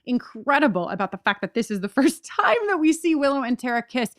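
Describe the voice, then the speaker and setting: A woman hosts a rewatch podcast in a fairly high voice. She is emphatic and expressive, dropping casual asides into her commentary. The sound is dry, with no room on it. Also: fairly quick, no room sound. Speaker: podcast host.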